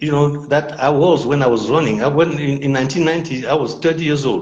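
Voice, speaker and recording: In a somewhat breathy voice, a man speaks very fast. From Cameroon. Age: 60s. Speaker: opposition politician. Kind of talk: interview. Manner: animated.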